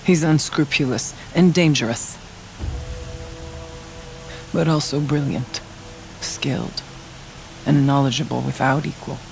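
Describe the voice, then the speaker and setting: An actress playing a solemn, devout tribal shaman in a video game, speaking in a formal, measured, reverent way. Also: a bass voice, steady tone, creaky, a little mellow, faint music behind, heavily acted, poor audio. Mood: grave, wary. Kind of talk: dramatic video game dialogue.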